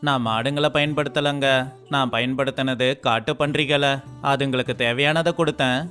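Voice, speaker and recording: A man's voice: mid-range voice, fairly even intonation, moderate pace, fairly bright tone, clean tone. A man voicing several village men in turn in a storybook dialogue. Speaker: voice actor for story characters. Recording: faint music behind.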